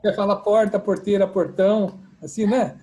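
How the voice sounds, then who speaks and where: A man's voice: high-pitched, fairly even intonation, normal speed, dark tone. A man, a church member, chatting in a jokey way and tagging his lines with questions.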